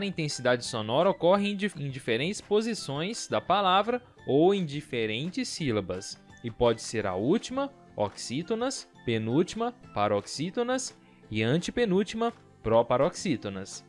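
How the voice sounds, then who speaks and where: A young man teaching children, his voice sitting a little high and swooping up and down in a cheerful sing-song. He walks through a school lesson step by step, with soft music playing behind him. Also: big pitch swings, normal speed. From Brazil.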